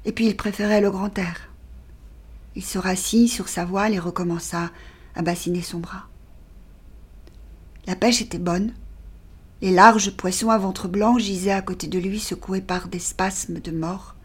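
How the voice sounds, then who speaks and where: A woman performing a dramatic literary reading of a short story, measured and sinking to a near-whisper in grim passages. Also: mid-range voice, steady tone, husky.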